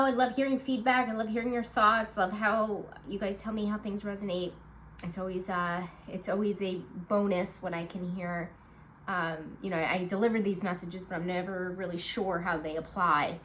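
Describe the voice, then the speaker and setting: A woman's voice: mid-range voice, a bit bright, a little hiss or hum. Congested woman reading tarot cards. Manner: chatty and reassuring, many fillers and asides. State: congested, nasal voice. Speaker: tarot card reader. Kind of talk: casual monthly card reading to camera.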